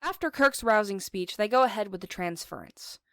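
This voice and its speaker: A woman's voice: medium pitch, lively intonation, moderate pace, no room sound, studio quality. A woman hosting a scripted comedic review, narrating in an irreverent, casually profane way. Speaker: video essay host and reviewer.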